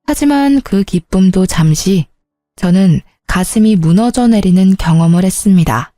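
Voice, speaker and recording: Woman in her fifties, first-person storyteller, mellow and motherly, dry close read. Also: mid-range voice, animated, measured pace, no echo. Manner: warm, soft-spoken motherly delivery. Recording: dry close voice with faint background music.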